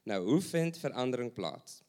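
A man's voice: medium pitch, big pitch swings, moderate pace, a little mellow. A man preaching a sermon, asking rhetorical questions and repeating phrases for emphasis.

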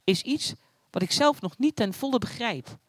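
A storyteller voicing a male angel messenger who speaks in a hushed, reverent way. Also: medium pitch, animated, normal speed, no room sound, studio quality, lightly acted.

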